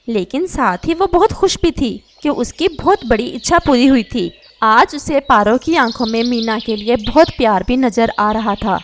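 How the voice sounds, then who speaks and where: A woman calmly narrating a scripted children's cartoon story. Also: a little high, slight background noise.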